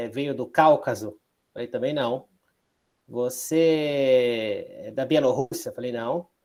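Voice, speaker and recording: A man talks at a moderate pace. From Brazil. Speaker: commentator on Russia. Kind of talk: casual interview chat. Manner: halting.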